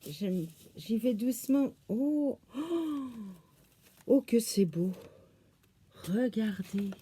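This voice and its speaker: A woman hosting a craft channel, gushing with oohs and exclamations as she slowly unpacks crafts in casual chat. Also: fairly high pitch, animated, mellow, breathy edge. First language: French. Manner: slow, thinking aloud as she unpacks.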